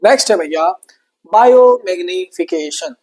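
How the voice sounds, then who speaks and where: A man's voice: sits high, animated, measured pace, a little mellow. Chatty Indian male science teacher. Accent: Indian English. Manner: chatty, repetitive, calls students brother. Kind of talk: online exam-prep lesson.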